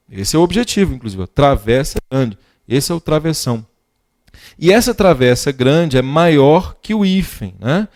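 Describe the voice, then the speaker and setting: A man's voice: mid-range voice, a little mellow. A man teaching legal writing in an online grammar lesson. He explains emphatically, keeps asking rhetorical questions and answers them himself.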